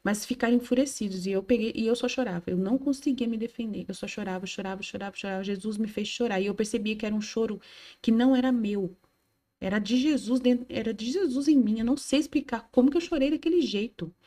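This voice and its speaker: A woman's voice: on the high side, quick pace, dark tone. A woman from Brazil giving an emotional personal testimony, earnest and repetitive as she retells a hurtful meeting. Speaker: Catholic study host.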